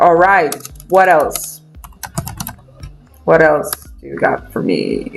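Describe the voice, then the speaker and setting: Noticeable background noise sits behind the voice. Delivery is very slow, broken by long, frequent pauses. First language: not English. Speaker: day trader livestreamer. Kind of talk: live trading stream chat. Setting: livestream.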